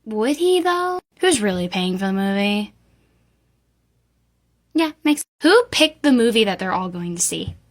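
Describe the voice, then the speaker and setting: A woman's voice: medium pitch, big pitch swings, a little slow, long pauses. A woman giving casual reaction commentary in an informal, exclamatory way with plenty of swearing.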